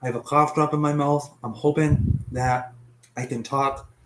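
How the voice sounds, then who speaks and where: A man's voice: fairly high pitch, fairly even intonation, normal speed, slight background noise, poor audio. Chatty man hosting with a cough. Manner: chatty, swears casually, stumbles over names. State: has a cough, voice partly lost. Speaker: host. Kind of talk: casual web show narration.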